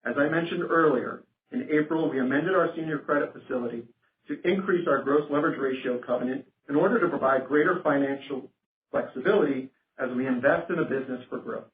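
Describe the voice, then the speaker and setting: A man's voice: mid-range voice, a little fast. A man speaking formally as a finance executive presenting on a company earnings call. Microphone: conference phone call. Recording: roomy phone line with noticeable hiss.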